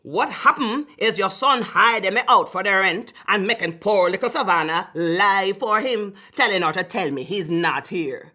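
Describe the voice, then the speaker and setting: A woman's voice: medium pitch, lively intonation, moderate pace, few pauses, voice pushed up. Woman playing an irritated, demanding landlord man. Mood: cross. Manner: exasperated, forceful questioning. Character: cross, indignant male landlord demanding rent.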